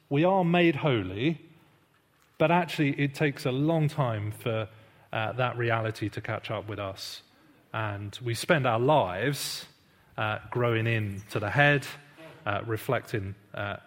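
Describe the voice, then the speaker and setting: A man's voice: mid-range voice, slow pace. A man giving a conversational church teaching talk, self-deprecating and full of fillers. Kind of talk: sermon-style teaching talk. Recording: long hall reverb.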